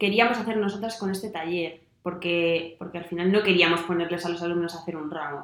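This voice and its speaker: A woman with an unremarkable speaking voice, fairly low in pitch, at a fairly quick pace with hardly any pauses and fairly even intonation. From Madrid, Spain. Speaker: online florist business co-owner. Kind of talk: casual interview chat. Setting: recorded live in person, shared mic.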